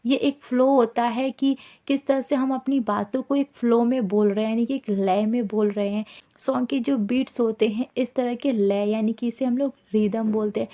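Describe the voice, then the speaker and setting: Woman tutor explaining slowly. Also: on the high side, fairly even intonation, mellow. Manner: explanatory, repeats herself often. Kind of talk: exam-prep lesson explaining a syllabus.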